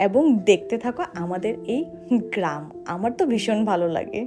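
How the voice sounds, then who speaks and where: A young woman vlogger chats casually and expressively to the camera and a companion, mixing in some English words. Her mid-range voice is animated and fairly quick, heard over music.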